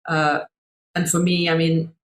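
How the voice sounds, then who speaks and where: A woman's voice: low voice, little pitch movement, a little slow, a little hiss or hum. A middle-aged woman from Sri Lanka, a coach talking thoughtfully about personal experience on a video call. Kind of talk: reflective conversation.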